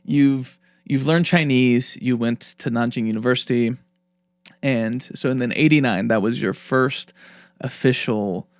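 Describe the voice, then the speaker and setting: A man's voice: medium pitch, unhurried, dry recording, studio quality. A man hosting an interview, asking curious questions and rephrasing them several times before handing over. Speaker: interview host.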